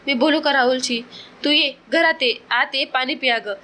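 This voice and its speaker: A kind young woman gently coaxes a friend to come inside, concerned and soft-spoken, as a woman narrator puts her on. The voice is high and bright. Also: normal speed.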